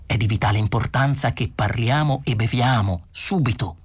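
A reader voicing a distracted alien traveler posing as a man, talking low and insistently in an audiobook. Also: normal speed, breathy edge, close to an everyday voice. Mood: urgent. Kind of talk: audiobook character voice.

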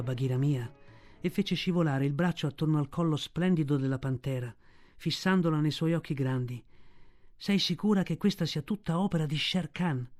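A man's voice: on the high side, darkish tone, lightly acted. A man reading the part of a black female panther, speaking tenderly and proudly in an audiobook. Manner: tender, grave storytelling tone.

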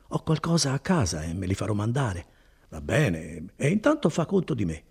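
A man doing a chatty old cousin, gravelly and lively. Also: mid-range voice, full character voice. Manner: animated, folksy storytelling with chuckles. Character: chatty good-hearted older male cousin, a mill foreman.

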